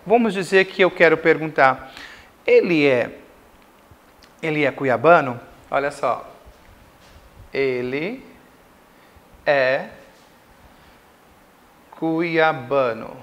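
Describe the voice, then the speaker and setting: Speaking with a Brazilian Portuguese accent, a Brazilian man walks students slowly through English grammar in a recorded lesson, repeating examples and checking with "certo?". His voice sits on the high side and sounds a bit bright.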